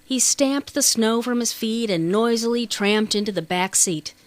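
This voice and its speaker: A woman's voice: a little high, moderate pace, no room sound. A woman reading a children's novel as scripted audiobook narration.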